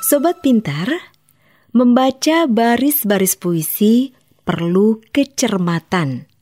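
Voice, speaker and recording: A woman narrating an educational program for children, speaking in a clear, instructive way. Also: mid-range voice, darkish tone.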